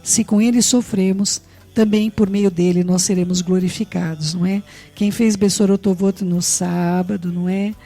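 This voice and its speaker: A Brazilian woman with a Brazilian Portuguese accent preaching a sermon, earnest and warm toward her listeners, often checking in with rhetorical questions. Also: mid-range voice, steady tone, moderate pace, soft background music. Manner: earnest, tags phrases with rhetorical questions, addresses listeners fondly.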